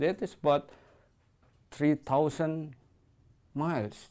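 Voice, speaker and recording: Speaking at a very slow pace with an Indonesian accent, a man has a fairly high pitch and a dark, mellow tone. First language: Indonesian or regional language; English is third. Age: 50s. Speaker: conference presenter, translator. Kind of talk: presentation. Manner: halting.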